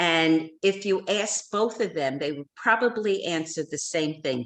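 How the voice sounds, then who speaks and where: A woman with a fairly low pitch, very wide pitch swings and a moderate pace. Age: 70s. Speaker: life coach. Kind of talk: interview.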